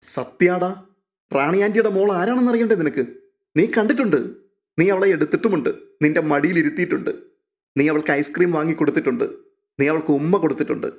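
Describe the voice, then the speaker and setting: A playful woman teasing a younger friend with clues, read by a male narrator. The voice sits a little higher than his own and keeps a light, mischievous tone. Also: quick pace, close to an everyday voice.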